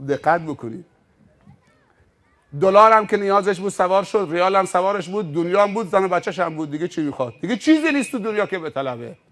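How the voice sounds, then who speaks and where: High-voiced man preaching emphatically. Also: lively intonation, fairly bright tone. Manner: emphatic, vivid, acts out scenes. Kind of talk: sermon with dramatized storytelling.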